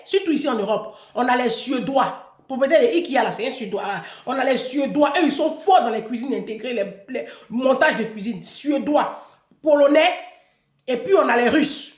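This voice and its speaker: A woman's voice: fairly high pitch, animated, normal speed, roomy sound. A woman talking straight to her followers in an unscripted monologue, scolding them emphatically and repeating words for effect. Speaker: online personality addressing followers.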